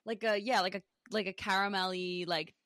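A young woman in her twenties hosting a casual podcast chat, rambling with plenty of fillers and quick laughs. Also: mid-range voice, fairly even intonation, a bit bright, dry recording. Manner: chatty, lots of fillers and laughs. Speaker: podcast host.

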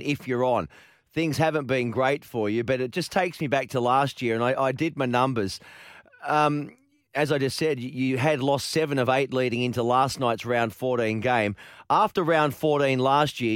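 A man's voice: mid-range voice, smooth, dry recording, clean studio sound. A middle-aged man hosting a sports radio interview, chatty and friendly, full of fillers.

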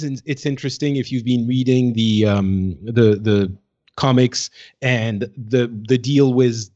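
A man's voice: mid-range voice, darkish tone. Slightly muffled man co-hosting a gaming podcast. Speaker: podcast co-host. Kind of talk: casual gaming podcast chat. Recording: slightly dull, lo-fi voice feed.

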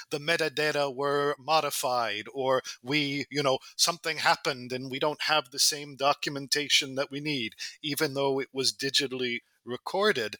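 A man with a very bright, forward voice, recorded close and dry. He speaks as an academic interviewer, laying out discursive questions with careful qualifications. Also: mid-range voice, dry recording.

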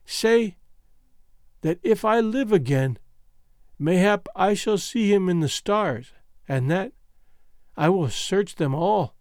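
A dying young woman, gentle and devoted, breathing out her last words softly and slowly, as a male reader puts her on. Her voice is lifted high and wavers, but it sinks low and grows quiet. The sound is dry and close. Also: lively intonation, no room sound. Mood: tender, fading. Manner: soft, fading, tender.

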